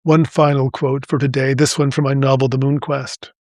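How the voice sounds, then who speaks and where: A man hosting a reflective spiritual podcast, talking slowly and deliberately, phrase by phrase, and reading inspirational passages in a gentle voice. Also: mid-range voice, little pitch movement, dry recording. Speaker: podcast host.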